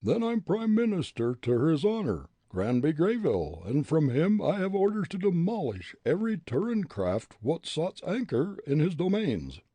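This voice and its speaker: A swaggering backwoods bully blusters in a raised, drawling voice, as a male narrator puts him on. The tone is hoarse and breathy, close and dry. He boasts and threatens without pause. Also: fairly high pitch, wildly swooping pitch, no echo, pitched above the performer's own voice, full character voice. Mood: blustering. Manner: blustering, loud, drawling dialect. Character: brawling loud backwoods male ruffian, boastful.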